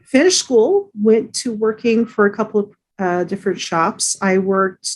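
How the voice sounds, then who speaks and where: This woman talks with ordinary pitch variation at a moderate pace. Behind her, things are quiet. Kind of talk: interview. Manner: halting.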